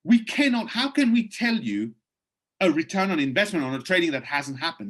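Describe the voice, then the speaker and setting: A man presenting on a video call and then answering chat questions. He is persuasive and emphatic, pushes his voice up sharply on key points, and sounds hoarse, clearing his throat from time to time. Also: fairly high pitch, a bit bright. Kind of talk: webinar presentation with live Q&A.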